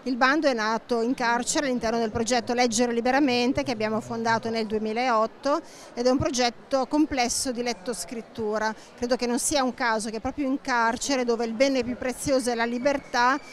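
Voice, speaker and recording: A woman in her fifties speaks fluently and composedly, her voice sitting slightly high. She is interviewed at an exhibition stand through a handheld microphone. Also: steady tone, moderate pace. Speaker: project founder. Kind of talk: interview at a book fair stand. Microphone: handheld interviewer mic.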